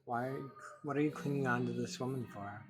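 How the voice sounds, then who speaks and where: A man voicing a sly male tempter who taunts a killer in a quiet, low, mocking tone. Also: quick pace, over music, natural voice, poor audio. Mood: scornful.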